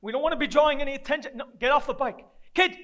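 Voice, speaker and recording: Dramatic monologue: male actor as a self-loathing, grieving loser of a dad, very high strained pitch, bright forceful edge, streetwise and profane. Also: racing. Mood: nervous, pleading. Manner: rambling, profane, streetwise, talking to an unseen child. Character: down-and-out grieving father, foul-mouthed, self-loathing, desperate loser.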